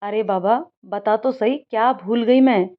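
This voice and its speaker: A woman's voice: fairly high pitch, unhurried, natural voice. A woman voicing a cheerful, forgetful young office worker with a playful, teasing manner, on a dull lo-fi recording. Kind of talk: storybook voice acting.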